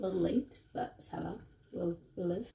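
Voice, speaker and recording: A woman speaks quietly at a moderate pace. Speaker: lifestyle vlogger. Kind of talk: casual vlog chat.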